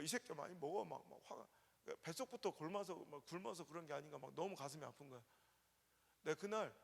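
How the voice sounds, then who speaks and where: Fervent high-pitched preacher, gravelly, echoing church. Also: male voice. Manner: impassioned, swings from hushed to shouting. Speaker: guest revival preacher. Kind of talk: emotional revival sermon. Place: church sanctuary. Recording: long reverb of a church sanctuary.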